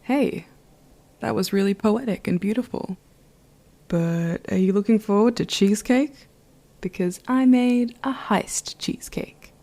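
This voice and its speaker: A woman's voice: mid-range voice, a little slow, dark tone, lightly acted. A woman playing a playful, teasing young member of a heist crew in an audio drama, with a wry manner.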